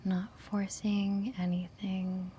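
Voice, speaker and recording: Woman, meditation guide. Hushed whisper, very even delivery, unhurried and soothing, faint ambient noise behind. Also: medium pitch. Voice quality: soft, breathy whisper. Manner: gentle, unhurried, soothing instruction with long pauses.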